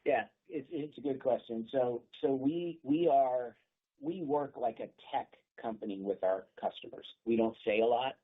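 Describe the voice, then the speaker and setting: A man speaking as a company executive, giving unscripted answers on an earnings call in a halting way, repeating words as he goes. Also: medium pitch, slightly rough. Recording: thin phone-line conference call.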